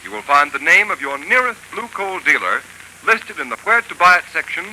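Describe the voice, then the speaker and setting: A man announcing and reading an advertisement on a 1930s radio show in a brisk, persuasive manner. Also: fairly high pitch, very animated, bright, forceful tone, poor audio. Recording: hissy old 1930s radio broadcast.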